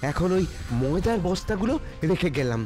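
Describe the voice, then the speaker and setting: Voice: medium pitch, animated, brisk, darkish tone, soft background music, lightly acted. An actor voicing a bumbling, servile male henchman in a cartoon, whiny in tone. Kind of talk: cartoon voice acting.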